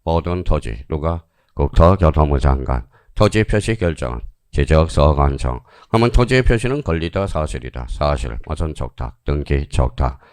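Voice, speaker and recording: A man teaching an online exam-prep lecture, drilling students with quick questions and answers and repeating key phrases for emphasis. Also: rumbling low, expressive, a little mellow, no echo, studio quality.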